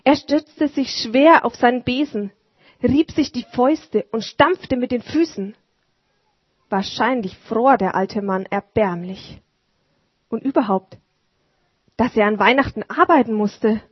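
A woman reading a storybook aloud in a calm, measured narration. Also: a little high, breathy edge, dry recording. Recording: dull lo-fi recording.

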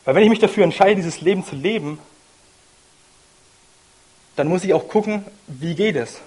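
Earnest husky young man preaching. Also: high voice, normal speed, a little mellow. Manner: earnest, personal, thinks aloud with restarts. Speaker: lay preacher. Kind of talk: informal sermon.

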